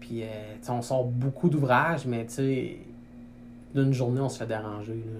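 With noticeable background noise and audible room echo, a man at medium pitch talks at a fairly slow pace with fairly even intonation and long, frequent pauses. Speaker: auto repair shop owner. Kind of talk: casual chat.

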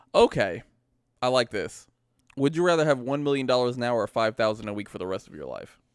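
Ordinary pitch variation colors a man's medium-pitched voice as he talks at a moderate pace. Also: long, frequent pauses, big swings in loudness. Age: 30s. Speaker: podcast co-host. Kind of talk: casual chat. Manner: animated.

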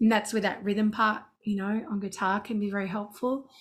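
The speaker here is a woman. Her words come with an Australian accent. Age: 40s. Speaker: singer-songwriter. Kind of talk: casual chat. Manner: animated.

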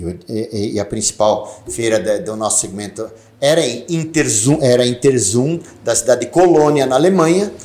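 Here a man talks at a moderate pace. His pitch is medium and his intonation lively. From Curitiba, Paraná, Brazil, German-speaking family. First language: German (speaking Portuguese). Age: 60s. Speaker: business founder. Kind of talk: interview. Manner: halting, many repetitions.

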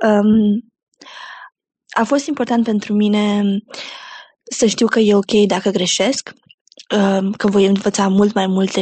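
A woman's somewhat breathy, medium-pitched voice carries fairly even intonation. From Romania. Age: 20s. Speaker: entrepreneur and educator. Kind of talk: interview.

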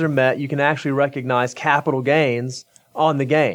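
In an ordinary speaking voice, a man talks at a fairly quick pace with fairly even intonation. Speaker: financial advisor co-host. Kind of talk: casual educational talk about retirement.

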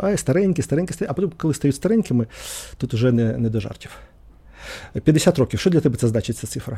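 This man talks very fast yet leaves long, frequent pauses, his medium-pitched, dark and mellow voice carrying vocal fry and very wide pitch swings. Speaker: podcast host. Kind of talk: casual chat.

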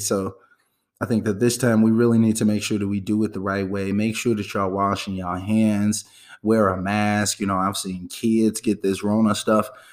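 With an American accent, a man speaks at a fairly low pitch and a moderate pace. His intonation is monotone and flat. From Chicago, US Midwest. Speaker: real estate wholesale coach. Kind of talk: solo podcast monologue. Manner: casual, conversational.

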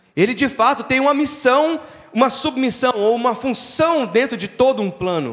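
A man talks at an extremely high pitch over noticeable background noise. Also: ordinary pitch variation, moderate pace. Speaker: pastor. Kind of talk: sermon. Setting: church.

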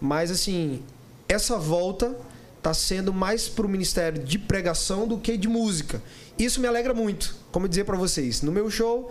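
With audible room echo, a man speaks at a high pitch, his intonation lively and his loudness very even. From Moreno, Pernambuco, Brazil. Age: 20s. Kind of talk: podcast interview. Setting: meeting room of a radio station.

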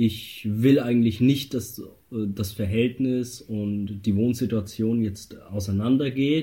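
This man talks at a very slow pace, somewhat breathy, with fairly even intonation. His tone is dark and mellow. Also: medium pitch for a man. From Franconia, Germany (near Nuremberg). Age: 30s. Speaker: dating coach. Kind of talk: interview.

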